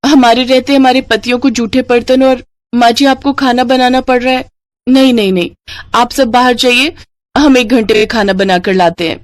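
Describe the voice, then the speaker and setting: A woman's voice: a little high, steady tone, moderate pace, dry recording, clean studio sound, voice pushed up, close to an everyday voice. A woman voicing an earnest, respectful young daughter-in-law in a Hindi cartoon drama, with a polite, pleading manner. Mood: apologetic.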